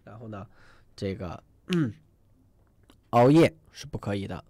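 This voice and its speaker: A man's voice: on the low side, lively intonation, unhurried, a little mellow, no echo. A man teaching an online singing class, chatty and rambling, often asking students to type numbers in the chat. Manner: rambling with many fillers and restarts. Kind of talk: live online class lecture.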